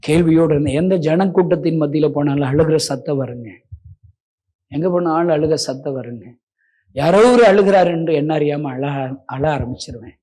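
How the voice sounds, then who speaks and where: A middle-aged man preaches an impassioned testimony sermon. His voice moves from loud, pleading outbursts to quiet, near-tearful confessions. He keeps turning to speak straight to his listeners with respect. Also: fairly high pitch, moderate pace. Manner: swings between loud pleading and hushed near-tearful talk; addresses listeners respectfully and directly.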